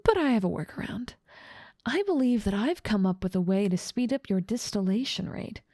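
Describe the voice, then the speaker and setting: A woman's voice: medium pitch, expressive, moderate pace, no echo, studio quality. A woman voicing a smug, scheming evil witch. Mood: gleeful. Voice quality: frequent soft whispering. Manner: smug, condescending, toying with a captive. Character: cold, scheming evil witch, ambitious and controlling. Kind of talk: ASMR audio roleplay.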